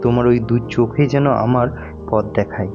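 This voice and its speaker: A man's voice: mid-range voice, fairly even intonation, moderate pace, close to an everyday voice. A man playing a devoted young man in love in an audio romance drama, speaking earnestly and romantically. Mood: romantic, nostalgic. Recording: dull lo-fi audio under guitar music. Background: plucked guitar music.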